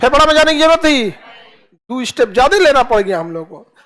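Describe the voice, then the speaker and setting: Animated teacher quizzing a class. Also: male voice, extremely high pitch, brisk. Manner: animated, drills students with repeated questions and acted asides. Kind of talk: classroom lecture with call-and-response.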